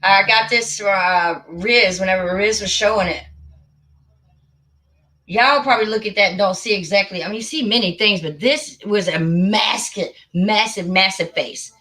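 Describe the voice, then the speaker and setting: A woman hosting a casual livestream, chatty and excitable, muttering to herself as she searches for something. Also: medium pitch, normal speed, rough recording. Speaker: livestream host.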